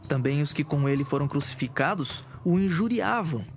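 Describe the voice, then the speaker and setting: A man's voice: on the high side, expressive, moderate pace. A man giving a scripted narration of an audio Bible. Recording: music behind the voice.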